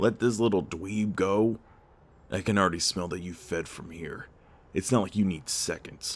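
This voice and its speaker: A man puts on a character voice. It is very deep and low in pitch, at a moderate pace. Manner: taunting, hostile.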